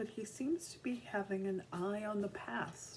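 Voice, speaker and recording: The speech moves at a very slow pace. Its intonation is lively. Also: woman. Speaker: tarot reader. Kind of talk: casual talk to camera. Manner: relaxed, conversational, with hesitations.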